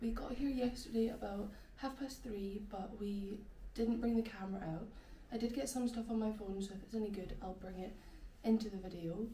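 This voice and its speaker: A woman talks at a moderate pace with ordinary pitch variation. Light background noise and audible room echo can be heard. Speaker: vlogger. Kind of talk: casual vlog chat. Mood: relaxed, cheerful. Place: home room.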